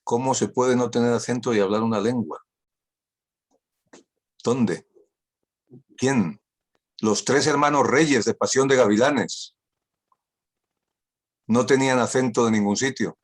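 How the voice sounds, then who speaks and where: A man's voice: medium pitch, steady tone, a little slow, pauses often. An older man from Spain whose first language is Catalan gives a guest talk over a video call. He is ironic and witty, and he repeats key phrases for emphasis. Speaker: guest speaker. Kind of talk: online talk.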